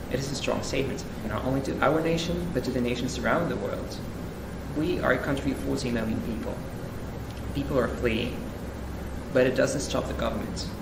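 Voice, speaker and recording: Earnest young man from Ukraine, gravelly. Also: medium pitch, echoey room, heavy background noise. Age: young adult. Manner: earnest, measured, frequent um and uh. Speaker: student guest. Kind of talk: interview and studio conversation.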